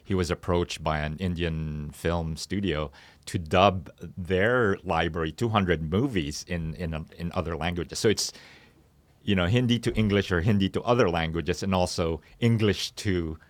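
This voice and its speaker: Really deep guy on a podcast explaining his product, bit halting, dry close sound. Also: dry recording. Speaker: guest, company co-founder. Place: studio.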